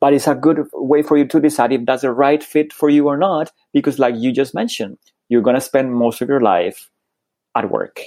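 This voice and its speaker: A man with a Spanish accent, fairly high pitch, ordinary pitch variation and a fairly quick pace. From Colombia, Bogota. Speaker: career coach. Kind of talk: interview.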